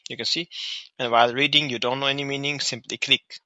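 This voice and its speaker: A man with a South Asian accent walks through an app in an informal tutorial style. His voice is middle-pitched and strikingly bright and sharp, recorded dry and close. He instructs step by step, repeating himself and checking in. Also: steady tone, fast, no echo. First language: Hindi or Urdu. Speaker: app reviewer and tutorial host.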